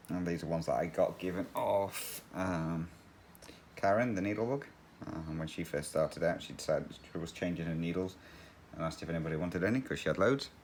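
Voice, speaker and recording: A man's voice: low-pitched, darkish tone, a little hiss or hum. A man hosting a cross-stitch channel, chatting casually and rambling while he stitches, often laughing.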